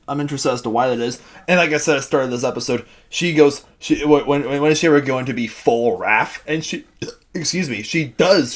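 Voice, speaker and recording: A young man hosting a casual review vlog, rambling with many fillers and restarts, excitable when talking about what he's watching. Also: mid-range voice. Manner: excitable fan talk. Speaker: host.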